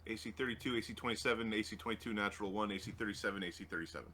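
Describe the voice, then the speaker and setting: A man acting as game master of a tabletop roleplaying game, talking casually and haltingly as he works through rolls and numbers. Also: fairly low pitch, pushed and bright, slight background noise. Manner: casual, halting while working out numbers aloud.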